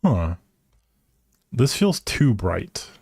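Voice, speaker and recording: A man's voice: mid-range voice, sing-song, very slow, gravelly, a little mellow, husky, no echo, clean studio sound. A man chatting casually on a game stream, musing aloud over small choices and answering his viewers. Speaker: live streamer. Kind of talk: casual chat while playing a building game on stream.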